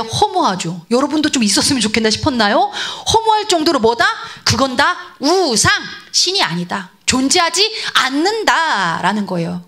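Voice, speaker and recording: High, lively woman preacher. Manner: animated, questions the audience and answers herself. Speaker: preacher to children. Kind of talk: lively storytelling sermon.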